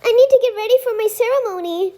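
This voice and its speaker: A woman voicing a young warrior-clan cat for an animated story audition, earnest and dramatic, with a soft, childlike voice. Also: very high-pitched, fast talker. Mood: eager.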